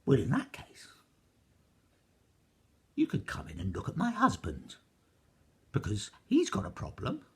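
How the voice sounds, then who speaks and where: A man voicing a huge, brusque giantess in a high, shrill squeal. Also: wildly swooping pitch, a little slow, gravelly, pauses often, slightly rough, whispered, exaggerated voice.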